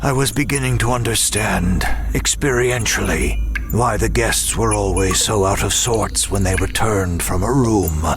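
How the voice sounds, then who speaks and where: An actor playing a weary, irritated jailer trapped in a dark maze, narrating a horror audio drama in formal, theatrical, measured diction. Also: male voice, lowish voice, background noise. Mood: wary, brooding.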